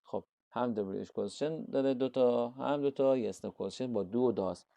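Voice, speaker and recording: Brief: male IELTS tutor, Persian accent, mellow low timbre, deliberate English read-alouds, dry close recording. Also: creaky, dry recording, highs cut off. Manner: reads English examples slowly, explains in Persian. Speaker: English teacher. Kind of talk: IELTS lesson walkthrough.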